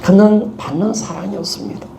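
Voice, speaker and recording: Gravelly Gyeongsang-accented pastor preaching. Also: male voice, sits high, brisk, dark tone. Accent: Gyeongsang Korean. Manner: emphatic, calls for congregation response. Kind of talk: sermon. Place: church sanctuary. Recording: echoey church hall with background noise.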